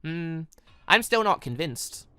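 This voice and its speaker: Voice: mid-range voice, big pitch swings, slow pace, bright, forceful tone, clear, resonant tone, no echo, heavily acted. Sly, teasing older woman acted by a gamer. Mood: sly, dismissive. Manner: smug, playful needling.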